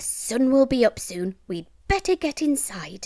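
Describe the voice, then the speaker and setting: A woman puts on a growling character voice, high in pitch with very wide swings. She talks at a moderate pace. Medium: read story. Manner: anxious, protective.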